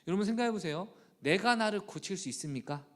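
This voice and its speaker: A man's voice: high-pitched, lively intonation, quick pace, a bit bright. A middle-aged man preaching a sermon as pastor, addressing the congregation again and again and acting out his children's voices.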